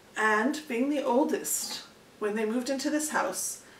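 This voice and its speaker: A woman speaks at a moderate pace in an animated, dramatic tone, with light background noise and audible echo from the room. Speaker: YouTube channel host and parent. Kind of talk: ghost story telling, spooky tale told to the camera. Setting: home video recording. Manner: storyteller's suspense, animated and conversational with dramatic pauses. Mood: spooky, dramatic storytelling. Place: home room.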